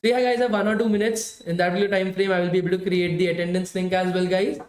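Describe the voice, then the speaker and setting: A man's voice: high-pitched, flat delivery, racing, a little mellow, echoey room. A man, a tired bootcamp instructor with a strained voice, wrapping up a live coding class and chatting with students. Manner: chatty, repeats "guys" often, pleads for likes. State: tired, strained voice from hours of talking.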